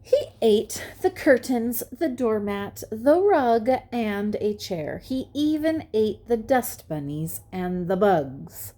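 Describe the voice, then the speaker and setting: Woman doing kids storytime, soft-edged mellow voice, takes it slow with dramatic pauses. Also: on the high side, big pitch swings. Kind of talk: expressive children's picture-book read-aloud.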